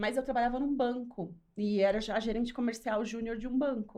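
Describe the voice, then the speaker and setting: This woman's voice is pitched fairly high. She talks at moderate speed. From São Paulo, Brazil. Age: 40s. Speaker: craft entrepreneur. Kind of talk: interview. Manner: talkative.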